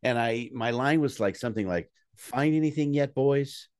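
A man hosting a podcast interview, teasing his guest with playful deadpan jokes. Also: medium pitch, normal speed, clean tone, no room sound, studio quality. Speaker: podcast host. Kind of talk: joking interview chat.

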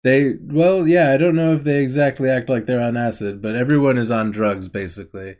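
A man's voice: mid-range voice, fairly quick, darkish tone. Wry man recapping an episode. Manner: wry, laughing asides. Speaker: podcast co-host. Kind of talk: casual episode recap chat.

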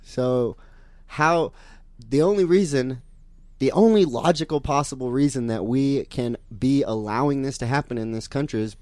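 A man's voice: mid-range voice, normal speed, a little mellow, no echo. A man hosting a talk show, speaking emphatically and often checking in with "you know?". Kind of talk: casual radio talk.

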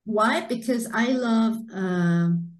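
A woman's voice: mid-range voice, drawn-out words. Woman with a light soprano voice. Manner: earnest, repeats words for emphasis. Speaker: guest, pronunciation teacher. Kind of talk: conversational podcast interview.

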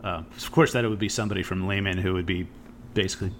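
A man's voice: low-pitched, steady tone, racing, a little hiss or hum. A man co-hosting a casual podcast, telling rambling work stories with swearing and frequent "right?" asides. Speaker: podcast co-host.

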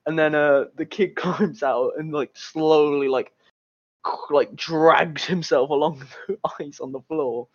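A man's voice: fairly high pitch, measured pace, dry recording, dull audio. A man chatting casually as a podcast co-host, telling stories in a hesitant, rambling way with asides. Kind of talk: casual chat and storytelling.

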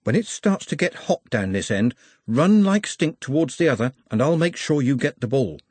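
A man acts out a courteous orc from a storybook, earnest and reassuring in manner. The voice is a little husky and sits close and dry. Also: medium pitch, sing-song, normal speed, a little mellow, dry recording, pitched above the performer's own voice. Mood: confident, encouraging. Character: gentle, earnest, courteous orc goalkeeper, male.

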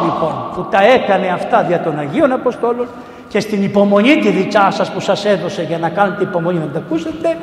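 A middle-aged man, a priest, giving a sermon that retells saints' stories and acts out the people in them. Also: high voice. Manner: animated storytelling, acts out voices of the people in the story. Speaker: priest and missionary preacher. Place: large church. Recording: echoey church with long reverb.

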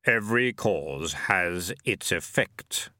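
A man voicing Death, a grave skeletal personification who speaks deliberately. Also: sits low, animated, sharp tone, no echo, studio quality, voice pushed down, heavily acted.

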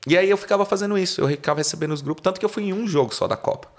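A man's voice: high-pitched, very fast. A man from Brazil telling stories as a podcast guest in casual slangy talk, acting out quoted dialogue. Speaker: podcast guest, car salesman. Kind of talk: casual storytelling.

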